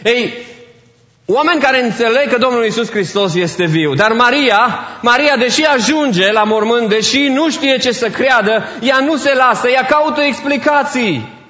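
A man's voice: very high voice, pushed and bright. A man preaching a sermon as pastor, emphatic, repeating key phrases and slipping in English phrases. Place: church. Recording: reverberant church hall, dull sound.

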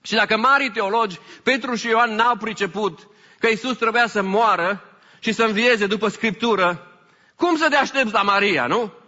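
A man preaching a sermon as pastor, animated and emphatic, with some English phrases mixed in. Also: high voice. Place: church hall. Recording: hall reverb, dull lo-fi sound.

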